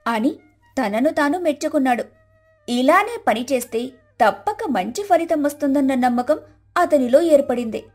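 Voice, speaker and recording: A woman's voice: high-pitched, expressive, normal speed, darkish tone, soft background music. A woman reading scripted narration of a moral story as the storyteller.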